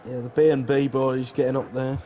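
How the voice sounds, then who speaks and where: A man's voice: medium pitch, level tone, a little fast, highs cut off, music in the background. A man co-commentating on an online racing league with dry, wry humour. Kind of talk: casual sim racing commentary.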